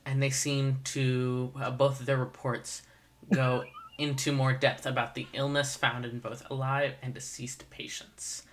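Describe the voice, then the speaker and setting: A dungeon master narrating a tabletop game, laughing often and filling pauses with uh and um. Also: mid-range voice, little pitch movement. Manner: laughing often, many fillers.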